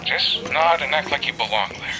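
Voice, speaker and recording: An actor playing a gruff, wary older treasure-hunting mentor in an audio drama, dry and admonishing. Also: male voice, medium pitch, expressive, moderate pace, very noisy, lightly acted. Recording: loud music under the voice.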